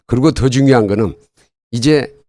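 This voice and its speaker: An older man speaking as an interview guest, explaining things earnestly and at length in a halting way. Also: medium pitch, warm tone, no echo, clean studio sound. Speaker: guest, retired army colonel and military history author.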